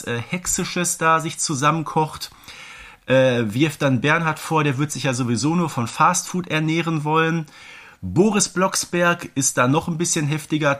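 A man's voice: a little high, a bit bright. A man co-hosting a casual fan podcast, chatty and given to playful asides. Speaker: podcast co-host.

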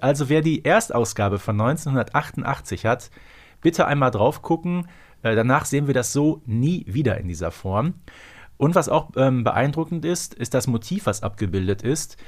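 Male podcast co-host, mid-range voice, conversational, detailed explainer. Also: medium pitch. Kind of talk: casual podcast discussion.

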